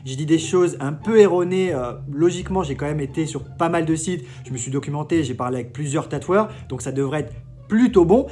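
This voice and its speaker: A man's voice: a little high, fairly quick, mellow, soft background music. A man in his thirties with a congested, nasal voice from a cold and swollen tonsils, chattily presenting a casual explainer to camera. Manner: chatty, informal, gesturing while talking. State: sick with a cold and tonsillitis, voice giving out. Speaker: tattoo video presenter. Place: small home studio room in an outbuilding.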